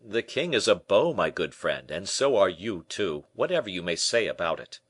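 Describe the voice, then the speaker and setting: A man's voice: sits low, sing-song. A man doing a shrewd, wry friend. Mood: reassuring. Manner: wry, reassuring, measured. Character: shrewd, calm middle-aged male friend. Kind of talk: audiobook character voice.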